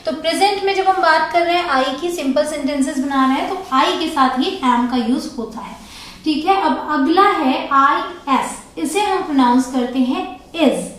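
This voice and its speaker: A woman teaching an English grammar lesson. She spells out each example slowly and repeats it, often ending with a check-in phrase. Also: high-pitched, fairly bright tone. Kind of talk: slow, deliberate grammar lesson. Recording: very echoey room.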